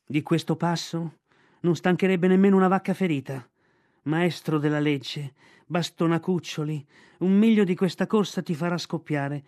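Man playing a furious she-panther, growling scolding, mellow voice, storybook. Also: fairly high pitch, normal speed, close to an everyday voice. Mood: angry scolding.

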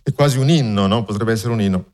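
A man's voice: fairly low pitch, fast talker. A man giving a spoken music lesson at the piano, explaining the piece and often checking in with a questioning "no?". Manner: explanatory, often asks "no?", frequent hesitations. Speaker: music lecturer. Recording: piano playing heard throughout. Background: loud piano music.

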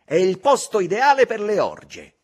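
A man doing an excited, eager young boy. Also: high-pitched, measured pace, husky, pitched above the performer's own voice, full character voice. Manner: eager, exclaiming, boyish. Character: bold adventurous boy, excited leader.

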